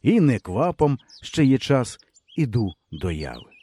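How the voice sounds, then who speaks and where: A man reading a first-person novel aloud with expressive storytelling. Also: mid-range voice, measured pace, breathy edge, no echo. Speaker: audiobook reader. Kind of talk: audiobook narration.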